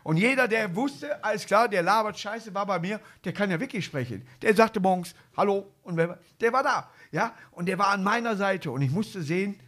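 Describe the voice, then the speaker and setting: A man's voice: sits high, animated, moderate pace, few pauses, fairly bright tone. A man hosting a live comedy podcast, rambling through anecdotes and chuckling often. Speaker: podcast host. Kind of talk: casual comedy chat.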